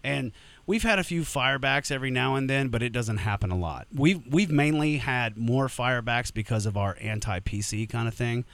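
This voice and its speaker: A man's voice: mid-range voice, moderate pace, gravelly, a bit bright, no echo. A man, a punk musician guest on a podcast, talking bluntly and casually and swearing freely.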